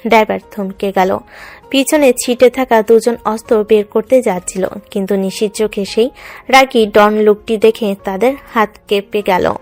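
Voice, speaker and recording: A woman's voice: medium pitch, normal speed. A woman reading dramatic scripted narration for a love story. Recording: music under the voice.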